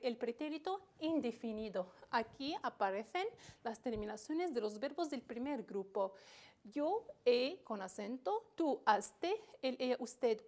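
A woman teaching a recorded grammar lesson, speaking slowly and deliberately with frequent hesitations. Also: on the high side. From Morocco. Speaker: Spanish teacher.

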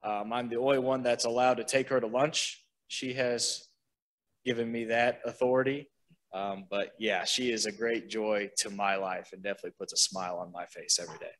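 A man's voice: fairly low pitch, normal speed, poor audio. A man, a care home administrator, telling a funny story about a resident on a panel. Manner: storytelling with laughter, relaxed. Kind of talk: panel answer, anecdote. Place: meeting room.

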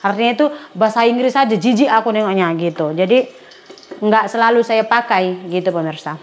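A woman's voice: mid-range voice, fairly quick. A middle-aged woman from Indonesia in her speech, chatting casually to viewers while she cooks in a home kitchen. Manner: chatty, addresses viewers as pemirsa. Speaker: cooking vlogger. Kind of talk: casual chat while cooking.

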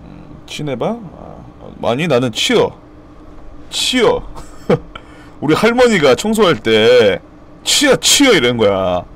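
A young man streaming live, chatting casually about dialect words and loudly mimicking regional expressions. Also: medium pitch, huge pitch swings, unhurried, a little hiss or hum. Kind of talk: casual stream chat, reading viewer comments.

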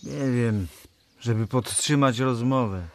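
An actor playing a tired, resigned but gently kind man in a radio play, speaking in short, laconic phrases. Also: medium pitch, slow, slight background noise. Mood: wry, kindly. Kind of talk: Polish radio play dialogue.

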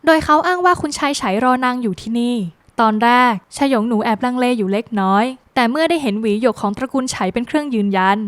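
Quick, high-voiced woman recapping a drama. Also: no room sound. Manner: brisk, lively storytelling with dramatic phrasing. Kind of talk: fast scripted plot recap narration.

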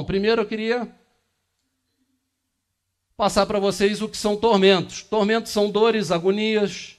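High-voiced man lecturing in a meeting room. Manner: conversational, asks the audience questions, gestures widely. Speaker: lecturer at a spiritist center. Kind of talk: spiritist lecture to a small audience. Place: small meeting room with projector screen. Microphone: room camera from across the room.

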